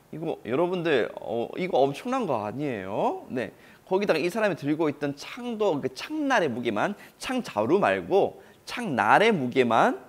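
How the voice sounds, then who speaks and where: Lively male pastor telling a story. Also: fairly high pitch. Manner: animated storytelling, addressing children. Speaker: children's pastor. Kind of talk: children's sermon storytelling.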